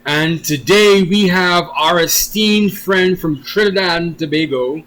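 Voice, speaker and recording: A man's voice: high-pitched, measured pace, a bit bright, poor audio. A man hosting a conversational interview, speaking emphatically as he introduces and questions his guest. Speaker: interviewer, host.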